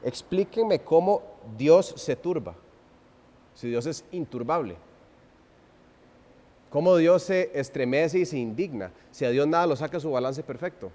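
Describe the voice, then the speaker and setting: A man with a voice on the high side preaches an expository sermon in a church sanctuary, swinging between loud emphasis and hushed, drawn-out phrases while asking the congregation rhetorical questions. The long reverb of the church hall carries his words.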